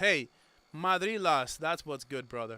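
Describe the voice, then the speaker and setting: A man with a Spanish accent speaks in a fairly high pitch, his tone bright and sharp and his intonation lively. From Spanish-speaking country, moved to US at 15. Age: 30s. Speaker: football streamer. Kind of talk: live stream chat reaction. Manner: animated.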